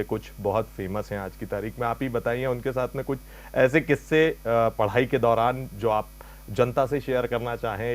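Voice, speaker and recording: A man interviewing for a news channel, asking long, polite questions with frequent hesitation fillers. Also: medium pitch. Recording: faint mains hum in background.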